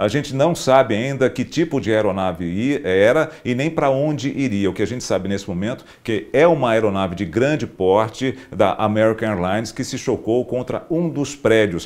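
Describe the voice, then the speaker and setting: Using a normal speaking voice, a man talks at a moderate pace in a medium pitch with lively intonation and hardly any pauses. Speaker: journalist and broadcaster, 30 years in journalism. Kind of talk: breaking news report. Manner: serious, measured, newsroom delivery.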